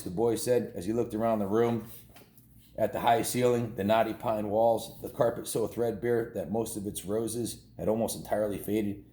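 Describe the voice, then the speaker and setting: Guy with a lowish voice reading a kids book, casual, trips over words, echoey room. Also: dark tone. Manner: informal, stumbles and corrects himself while reading. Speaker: storyteller reading a children's book aloud. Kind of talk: homespun read-aloud with casual asides.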